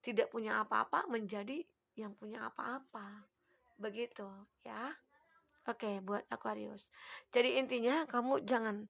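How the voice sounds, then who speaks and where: A woman giving a collective tarot reading, gently advising and speaking straight to the listener. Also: fairly high pitch, gravelly. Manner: acts out the listener's own words. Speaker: tarot reader.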